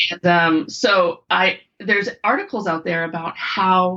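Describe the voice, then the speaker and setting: In a plain, everyday voice, a woman speaks at a moderate pace with ordinary pitch variation. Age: 40s. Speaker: suicide awareness advocate. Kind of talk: podcast interview. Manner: conversational, with fillers.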